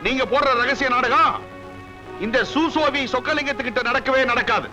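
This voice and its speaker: A man's voice: very high voice, moderate pace, over music. An actor playing a scornful husband who rejects his wife, speaking in a sneering, threatening way, in 1980s film acting style.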